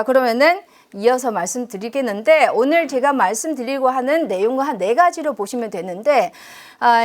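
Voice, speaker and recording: A middle-aged woman from China with a Chinese accent in Korean, lecturing chattily and self-deprecatingly, quizzing her audience and using many fillers. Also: high-pitched. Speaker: university professor giving a public lecture. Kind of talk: public history lecture. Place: lecture room.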